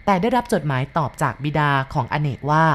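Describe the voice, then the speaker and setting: A woman reading a story aloud in a steady, measured narration. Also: low-pitched.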